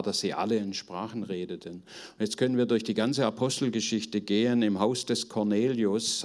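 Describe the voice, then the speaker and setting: Middle-aged man preaching informally. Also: fairly low pitch. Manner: earnest, conversational, halting search for words. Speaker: preacher teaching on spiritual gifts. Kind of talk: informal sermon teaching to a group.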